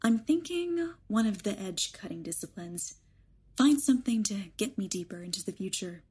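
A woman playing a guarded, reticent young woman in an audio drama, breathy and sparing with words. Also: medium pitch, animated, moderate pace, mellow. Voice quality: breathy, husky. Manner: short, evasive answers.

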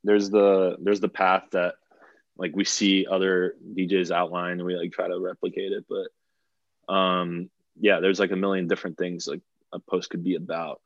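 A young man from Bulgaria talks through a podcast interview in a loose, rambling way, stacking fillers and restarting his sentences. His voice sits very low. The sound is dry and a little dull, like a lo-fi recording. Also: flat delivery, normal speed, no echo. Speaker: podcast guest, DJ. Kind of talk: casual interview chat.

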